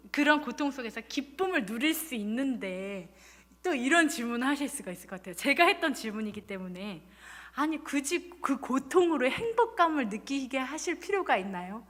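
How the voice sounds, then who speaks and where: A woman's voice: high-pitched, a bit bright, long reverb tail. A woman in her thirties, a pastor giving a sermon with earnest personal storytelling and emphatic repeated phrases. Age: 30s. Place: church sanctuary.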